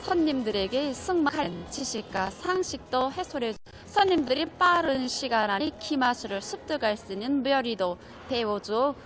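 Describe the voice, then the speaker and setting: A woman's voice: sits high, expressive, moderate pace, hardly any pauses. A woman with a North Korean accent giving a prepared interview statement as a riding club staff member. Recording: music bed under the voice.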